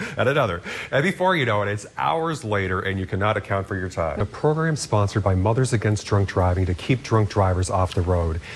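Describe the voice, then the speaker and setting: Over noticeable background noise, a man with a fairly low voice talks at a fairly quick pace with hardly any pauses. His intonation is lively. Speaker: news anchor. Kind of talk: TV news anchor read.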